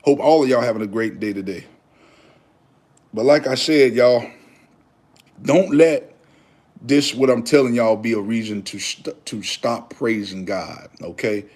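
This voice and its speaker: A man's voice: mid-range voice, a little slow, long pauses, darkish tone. A man in his thirties chatting on a livestream, preaching about faith and talking straight to viewers, repeating himself and calling them brother. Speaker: livestream host. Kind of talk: casual livestream chat.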